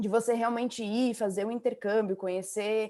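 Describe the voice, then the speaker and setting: The background stays quiet. Speech is fairly quick, and its pitch varies in an ordinary way. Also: woman. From southern Brazil, Santa Catarina coast. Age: 20s. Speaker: exchange program advisor. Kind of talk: podcast interview. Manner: hesitant, many fillers.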